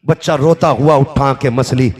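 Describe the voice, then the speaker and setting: A man's voice: mid-range voice, steady tone, a little slow, darkish tone. A man preaching a sermon and telling a story, acting out its dialogue with chanted, sung rises.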